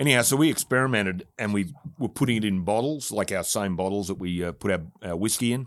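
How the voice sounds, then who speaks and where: A man talks at a very fast pace in an Australian accent, his pitch fairly low and his intonation lively. The recording is very clean, with a silent background. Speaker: bourbon distillery owner. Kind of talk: casual chat. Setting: at the distillery.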